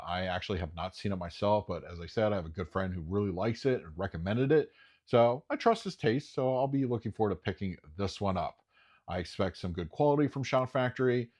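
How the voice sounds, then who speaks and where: Chatty, enthusiastic man with a lowish voice. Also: a little mellow. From United States. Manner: chatty, enthusiastic, frequent uh fillers. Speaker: home video reviewer. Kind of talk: casual solo commentary.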